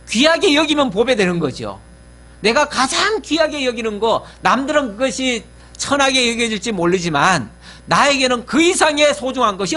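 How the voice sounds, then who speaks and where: A man's voice: extremely high pitch, a bit bright. A male pastor giving a conversational sermon, often asking his listeners questions.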